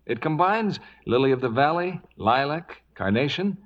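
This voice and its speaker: A man's voice: fairly high pitch, lively intonation, moderate pace. A man announcing in a scripted 1940s radio advertising style. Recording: muffled vintage radio recording.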